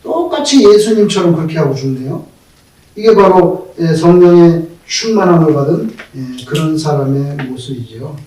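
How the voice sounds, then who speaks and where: A male pastor preaching a sermon, telling stories in an animated way and acting out the quoted speech of the people in them. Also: on the high side, moderate pace. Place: church sanctuary. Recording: very echoey hall, voice from far off.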